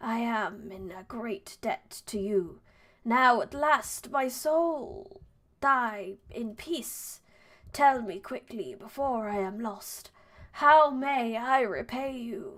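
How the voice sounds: A woman's put-on character voice, shaky and fairly high-pitched, at a very slow pace.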